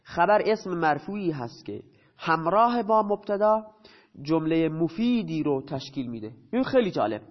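A man gives a grammar lesson in a fairly high voice. He poses a question, answers it himself and repeats each key term slowly. The recording sounds dull and lo-fi. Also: expressive. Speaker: teacher.

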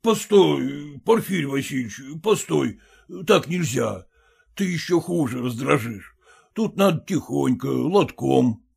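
A gentle older father, voiced by a man who coaxes and calms the others. His voice is high and gravelly with lively turns. He speaks in a soothing way. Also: a little slow, full character voice. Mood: coaxing. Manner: soothing, coaxing.

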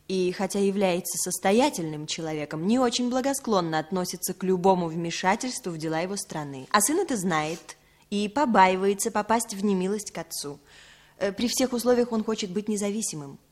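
An actress voices a clever young female agent in a vintage radio drama. She speaks with poise and polish and stays calm. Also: medium pitch, moderate pace, lightly acted. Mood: businesslike. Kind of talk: 1960s Soviet radio play acting.

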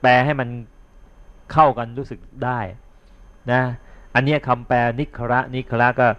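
A man who is a Buddhist monk, retelling an old tale in a loose, chatty dharma talk and pausing to explain words to his listeners. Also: medium pitch, fairly even intonation, smooth. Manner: chatty, repeats words while thinking aloud; explains like a teacher, checks in with listeners. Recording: dull lo-fi recording.

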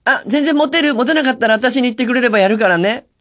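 A man putting on the high, overpolite voice of a loud, sweet female soba shop server. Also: quick pace, no room sound, clean studio sound. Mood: gushing. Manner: high-pitched falsetto, gushing and overpolite.

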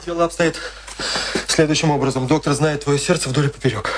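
An actor in a radio play playing a firm, blunt family friend, measured, dry and commanding. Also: male voice, fairly high pitch, fairly even intonation, close to an everyday voice. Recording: noisy radio play recording with clicks.

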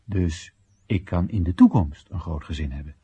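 A man's voice: sits low, normal speed, dark tone, husky, lo-fi sound. An actor playing a wry Chinese everyman who narrates and questions his country's policies in a radio drama monologue, ironic, rhetorical and theatrical. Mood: puzzled, questioning.

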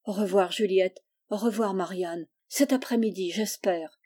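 A woman's voice: mid-range voice, a little slow, dark tone, lightly acted. A woman voicing a hot-tempered but tender-hearted orphan boy in a storybook reading, earnest and emotional.

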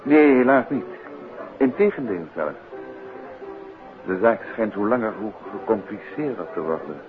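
An actor in a 1950s radio drama playing a calm, courteous amateur detective who talks in a measured, affable way. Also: male voice, lowish voice, narrow, tinny audio, over music. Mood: grave, composed. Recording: old thin band-limited radio recording.

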